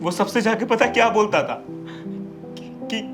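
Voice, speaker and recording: An actor playing a poor beggar who humbly pleads for work, in a web drama. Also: male voice, sits high, slow pace, over music. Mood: pleading.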